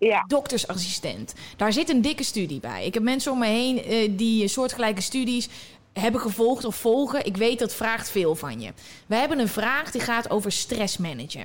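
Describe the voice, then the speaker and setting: A woman talks at a fairly high pitch with vocal fry. Her pace is moderate and her pitch variation ordinary. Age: 30s. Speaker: podcast host. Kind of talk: casual chat. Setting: studio.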